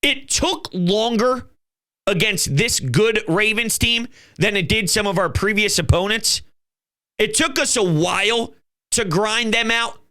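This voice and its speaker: A man's voice: high voice, unhurried, bright, forceful tone. A man hosting his own fan channel, talking football in an emphatic, fired-up way and swearing now and then. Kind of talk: fan commentary vlog.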